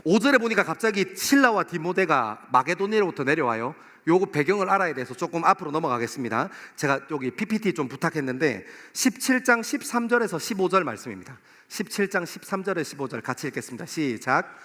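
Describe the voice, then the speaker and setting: A male pastor delivers an impassioned sermon in a high voice that swings widely in pitch. He speaks straight to the congregation, often in rhetorical questions. The hall around him adds long reverb. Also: big pitch swings, fairly quick, sharp tone. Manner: impassioned, addresses listeners directly with rhetorical questions. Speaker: pastor preaching to a young adult congregation. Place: church worship hall, live service.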